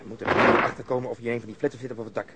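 An actor in a Dutch radio drama playing a dry, sardonic plainclothes police detective. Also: male voice, medium pitch, level tone, racing, close to an everyday voice. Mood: tense. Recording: noisy radio drama recording.

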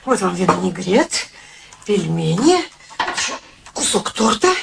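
An actress playing an exasperated grown daughter in a radio play, speaking in a curt, dry, sarcastic way. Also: female voice, on the low side, sing-song, takes it slowly, creaky, noisy background, heavily acted. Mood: brisk, impatient.

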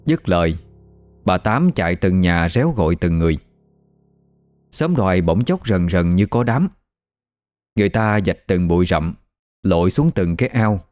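A man narrating a ghost story in a measured, evocative way. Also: low voice, animated, no echo. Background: soft music.

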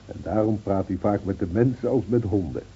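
An actor playing a gentle older village man who reminisces, hesitant and reflective, in a radio drama. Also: fairly low pitch, brisk, breathy edge. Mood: gently nostalgic. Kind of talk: Dutch radio drama acting. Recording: dull old radio recording.

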